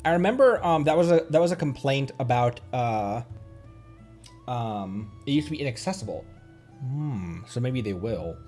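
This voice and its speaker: A man streams with casual, chatty commentary in a medium-pitched voice. He talks hesitantly, working out his thoughts as he goes. Soft music plays in the background. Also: lively intonation, normal speed. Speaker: streamer, VTuber host.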